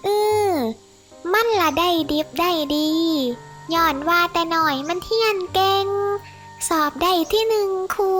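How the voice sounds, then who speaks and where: A woman's voice: very high-pitched, a little slow, bright, forceful tone, soft background music, heavily acted. A woman voicing a boastful old village grandmother, chatty and sing-song, with a Northeastern Thai Isan accent. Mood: bragging. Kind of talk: animated cartoon acting.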